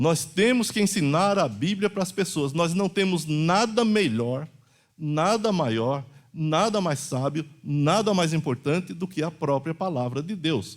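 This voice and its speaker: A man with a fairly high pitch, lively intonation and a fairly slow pace. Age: 60s. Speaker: pastor. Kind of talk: Bible class lecture. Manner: emphatic.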